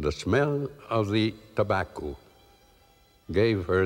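Music plays behind a man with a resonant voice. His pitch swings very widely. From northern New Mexico. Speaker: author. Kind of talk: literary reading.

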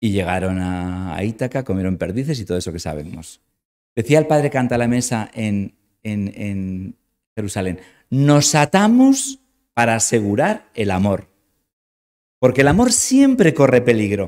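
The background stays quiet. A man talks fairly slowly, his intonation lively. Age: 60s. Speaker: bishop; bishop giving a lecture. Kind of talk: lecture. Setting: conference talk at a school. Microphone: camera far.

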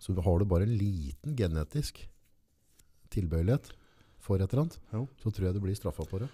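Lively intonation, somewhat breathy, at a fairly slow pace with a dark, mellow tone. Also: man, fairly low pitch for a man. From Eastern Norway, Brumunddal; Eastern Norway. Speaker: podcast host. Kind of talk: casual chat. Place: studio. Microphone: studio mic.

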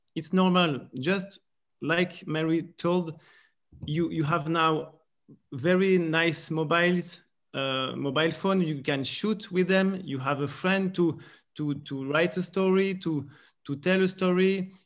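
Speaking with a French accent, a man uses a high pitch and fairly even intonation at a fairly slow pace. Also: quiet background. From France. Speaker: short film director. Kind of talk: interview answer. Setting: video call. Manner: halting. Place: home room. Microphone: video call.

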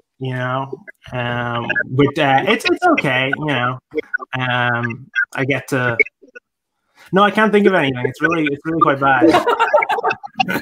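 Loud background noise runs under a man talking fairly slowly in an Irish accent, with long, frequent pauses. His pitch is fairly high, with ordinary variation. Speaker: comedian. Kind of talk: casual banter and short stand-up set. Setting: video call. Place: home room. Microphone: video call.

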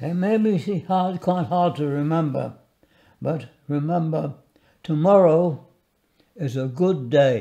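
A man with a British accent speaks very slowly in a dark, mellow tone. Long, frequent pauses break up his speech against a quiet background. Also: ordinary pitch variation. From United Kingdom. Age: 80s+. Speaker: army veteran. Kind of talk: message to children. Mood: gentle, encouraging. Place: home room.

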